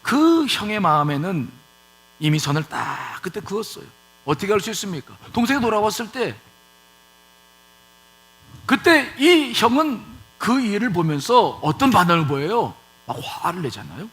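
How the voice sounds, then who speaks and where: High, lively-voiced preacher. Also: male voice, normal speed. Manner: rhetorical questions, emphatic repetition. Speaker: pastor. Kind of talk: sermon. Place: church sanctuary.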